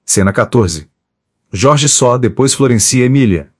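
A man reading a stage play aloud as an audiobook, stage directions included, in a plain, steady voice. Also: mid-range voice, unhurried, no echo, studio quality. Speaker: audiobook reader.

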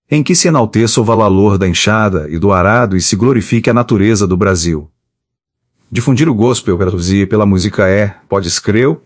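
A man's voice: on the low side, dry recording. Man reading letters aloud, dry sound. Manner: steady measured reading, reads page headings aloud. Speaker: audiobook reader.

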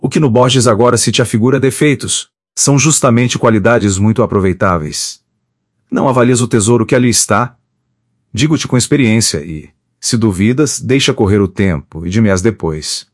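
A man voicing a stern older mother who lectures her daughter about marriage, in a measured storybook reading. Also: fairly low pitch, no room sound, studio quality, close to an everyday voice. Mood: persuasive.

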